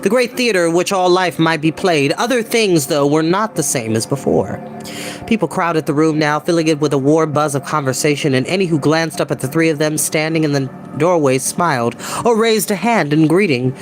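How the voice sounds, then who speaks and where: A man reading a storybook aloud as host, narrating deliberately with dramatic pauses, music playing behind him. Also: a little high.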